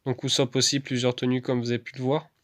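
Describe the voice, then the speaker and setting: A man's voice: mid-range voice, quick pace. A man giving a casual voice-over commentary on gameplay, hesitant and chatty, with many fillers and restarts. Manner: relaxed, chatty. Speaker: gaming YouTuber.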